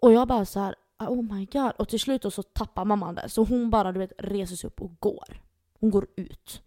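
A young woman co-hosting a casual podcast chat, telling stories with plenty of swearing and lively retellings. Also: medium pitch, no room sound, clean studio sound. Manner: storytelling, swearing, animated retellings. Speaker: podcast co-host.

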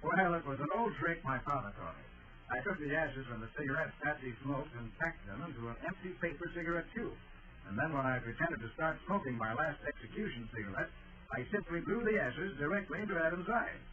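Tough, quick-witted American private eye, played by a man, higher male voice, commanding delivery, narrow muffled vintage radio sound. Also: animated, crowd noise, natural voice. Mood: calm, explanatory. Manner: urgent, clipped, commanding. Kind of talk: 1940s radio crime drama acting. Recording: muffled old 1940s radio recording.

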